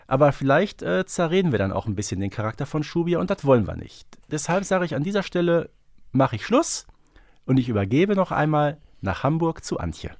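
A man's voice: on the high side, sing-song, a little fast, darkish tone, no room sound. A man co-hosting a podcast, talking casually in a reflective, hedging manner. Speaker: podcast co-host.

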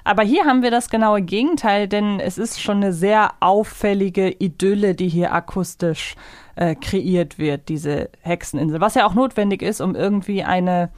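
A woman with a medium-pitched voice co-hosts a review podcast. She talks in a conversational way, and the recording is dry, with very little room sound. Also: moderate pace, a little mellow, dry recording. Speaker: podcast co-host. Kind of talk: conversational audio drama review.

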